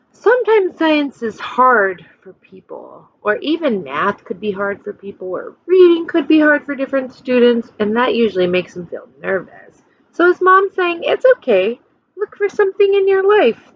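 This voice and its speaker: A woman's voice: on the high side, lo-fi sound. A woman teacher reading a children's picture book aloud expressively, stopping to explain and put questions to young listeners.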